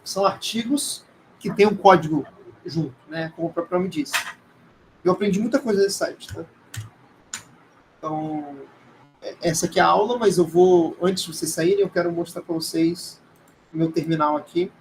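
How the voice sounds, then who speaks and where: Higher-pitched Brazilian man teaching informally. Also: moderate pace, long pauses, slight background noise, rough recording. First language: Portuguese. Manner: conversational, hesitant, frequent tag questions. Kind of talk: informal live lecture with screen demonstration.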